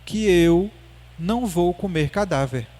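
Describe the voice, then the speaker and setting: A grave little girl of six lays out her argument with calm, stubborn earnestness, as a man retells her words in a lecture. The voice sits a little high and is spoken without much change. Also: a little slow. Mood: earnest. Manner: earnest, matter-of-fact arguing. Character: serious stubborn six-year-old girl.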